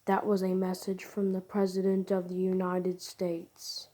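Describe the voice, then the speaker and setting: A woman reading a scripted emergency broadcast announcement in a formal, deliberate monotone. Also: lowish voice.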